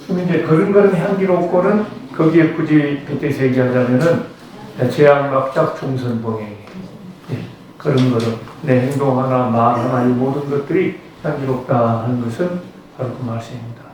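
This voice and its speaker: An older man gives a conversational Buddhist lecture and now and then leads slow chants. His voice sits in the middle range. He is picked up from a distance in a strongly echoing lecture room. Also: mid-range voice, darkish tone. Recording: very echoey room, distant mic.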